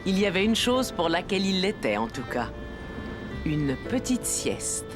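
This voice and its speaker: A woman narrating a preschool cartoon like a kindly storyteller, in a gentle, measured storybook manner. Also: lowish voice, sing-song. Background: music.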